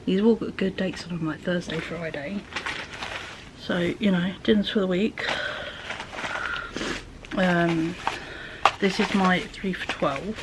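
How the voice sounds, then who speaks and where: Chatting her way through a grocery haul at home, this female vlogger uses plenty of ums and a slight hay fever wheeze, sometimes slipping into soft half-whispers. Her voice sits lowish, with fairly even intonation and a slow delivery that pauses often. There's noise in the background.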